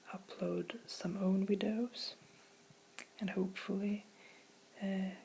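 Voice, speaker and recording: Soft-spoken, the voice moves at a very slow pace. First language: Hungarian. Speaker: ASMR creator. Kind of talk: casual ASMR art commentary. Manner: hesitant, many fillers.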